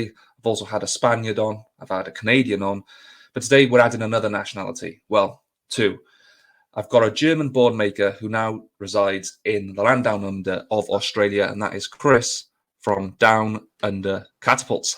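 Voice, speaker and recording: A male podcast host welcomes and questions a guest in an easygoing, conversational manner. His voice sits somewhat low. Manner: relaxed, conversational, uses fillers like "you know". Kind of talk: podcast interview.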